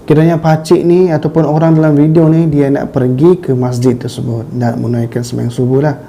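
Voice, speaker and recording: A man with a Malaysian Malay accent giving measured commentary over video clips as host. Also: mid-range voice, flat delivery, creaky, mellow, a little hiss or hum.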